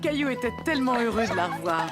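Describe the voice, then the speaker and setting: Lively female storybook narrator over music. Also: a little high, fast. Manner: expressive storytelling. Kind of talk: scripted storybook narration for children's cartoon.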